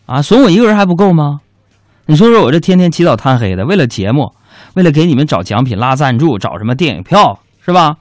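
Joking man with a lively voice. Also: a little high, quick pace, dry recording, studio quality. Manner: joking, self-mocking storytelling. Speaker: radio host. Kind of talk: comic monologue.

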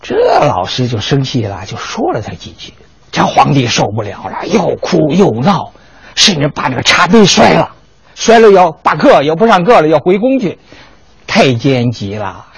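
An older man tells history as a lively story, posing rhetorical questions and swinging his pitch widely as he speaks. His voice has a slight huskiness. The sound is dry and close, with little room echo. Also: normal speed, breathy edge. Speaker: history lecturer. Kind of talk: storytelling lecture.

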